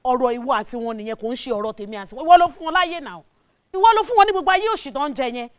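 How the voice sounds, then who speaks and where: An actress with a Nigerian accent playing an indignant young wife who scolds her mother-in-law with quick, sharp retorts. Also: high-pitched, lively intonation. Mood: reproachful.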